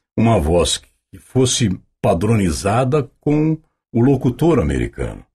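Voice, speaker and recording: A man speaks against a quiet background. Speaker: voice-over artist. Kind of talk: interview.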